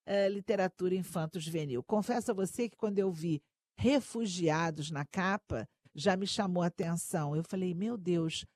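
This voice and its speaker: A woman's voice: medium pitch, dry recording, studio quality. A woman interviewing an author, first reading an introduction and then asking questions. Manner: reads the introduction, then asks questions in a lively way.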